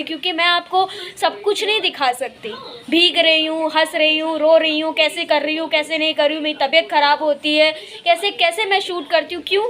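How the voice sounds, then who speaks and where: A woman's voice: very high-pitched, pushed and bright. A young woman vlogging outdoors in a rainy park, talking defiantly to camera about negative commenters. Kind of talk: casual vlog talk to camera.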